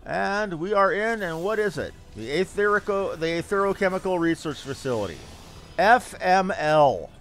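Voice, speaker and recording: A man's voice: high voice, animated, normal speed, a bit bright, slight background noise. A man giving casual live commentary as he streams a game, reading on-screen text aloud and swearing mildly.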